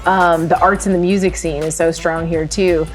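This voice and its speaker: A woman's voice: lowish voice, flat delivery, soft background music. A woman hosting an interview, upbeat and bubbly as she asks her questions. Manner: upbeat, bubbly, quick to laugh. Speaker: host, interviewer. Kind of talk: casual interview chat.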